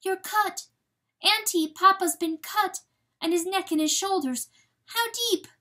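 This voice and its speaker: A little girl fawn from a storybook, acted out by a woman, pitched very high and piercingly bright. The fawn is distraught, bawling and pleading with the father like a hurt child. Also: unhurried, exaggerated voice. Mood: alarmed, urgent.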